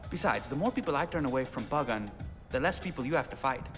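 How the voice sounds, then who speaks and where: An actor playing an excitable, chatty young rebel radio DJ in a video game, with a South Asian accent and theatrical, slangy, rambling talk. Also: male voice, mid-range voice, fast, natural voice. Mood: excited, proud. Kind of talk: game cutscene acting with radio patter. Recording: music behind, long reverb.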